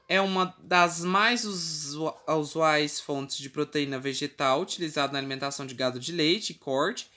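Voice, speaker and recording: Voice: medium pitch, fairly bright tone. A teacher with a Brazilian Portuguese accent giving a recorded class, explaining step by step with frequent checking tags and the odd self-correction. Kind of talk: recorded online class lecture.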